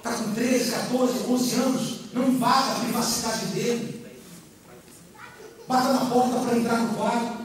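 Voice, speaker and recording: A man with a Brazilian Portuguese accent preaching a sermon as pastor, animated, calling on the congregation to repeat his words. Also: very high voice, measured pace. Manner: animated, calls on the congregation to repeat after him. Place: large church hall. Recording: echoey hall, distant mic, congregation.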